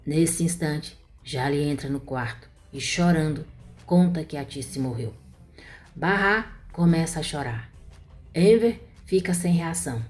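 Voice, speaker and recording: A woman narrating a soap-opera recap in an even storytelling manner. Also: deep voice, a little slow, soft background music.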